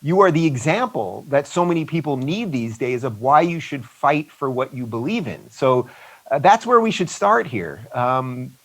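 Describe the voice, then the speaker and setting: A man's voice: medium pitch, big pitch swings, normal speed, rough recording. A man hosting an online conference interview over a video call, talking earnestly and often repeating his first words. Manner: earnest, repeats words when starting sentences. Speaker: interview host. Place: remote video session.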